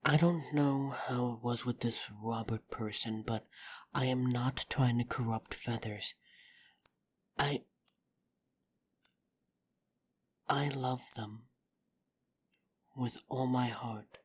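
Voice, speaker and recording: A woman playing a wounded, earnest vampire in an audio drama, speaking sincerely and haltingly over background noise. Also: rumbling low, steady tone. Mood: earnest, pleading. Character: earnest, wounded female vampire on trial, in love. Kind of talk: dramatic audio roleplay acting.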